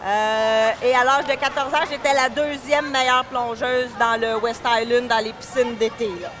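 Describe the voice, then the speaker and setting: High-voiced Québécois woman in her thirties. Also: fairly even intonation, moderate pace, music in the background. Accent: Québécois French. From Quebec, Canada. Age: 30s. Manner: hesitant, many fillers and restarts. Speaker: guest, diving club vice-president and coach. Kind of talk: casual interview. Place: indoor pool area.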